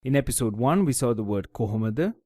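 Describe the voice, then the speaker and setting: Lively, methodical male language teacher. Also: medium pitch, fast talker, dry recording, studio quality. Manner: clear, methodical explaining. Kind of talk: scripted tutorial narration.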